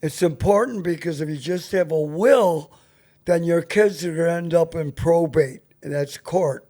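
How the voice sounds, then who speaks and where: A man's voice: fairly high pitch, normal speed, mellow. An older man with an American accent hosting a casual talk show. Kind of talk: casual chat.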